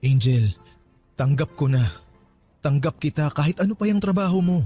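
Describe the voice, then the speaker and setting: A man's voice: fairly high pitch, expressive, moderate pace, warm tone, soft background music, natural voice. A man playing an earnest, lovestruck young suitor in a radio romance drama, pleading insistently.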